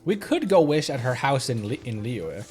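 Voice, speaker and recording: A streamer chatting casually during a game livestream, with an animated, swooping delivery. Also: medium pitch, normal speed, slightly rough. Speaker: streamer, host of the show. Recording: music playing behind the voice. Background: background music.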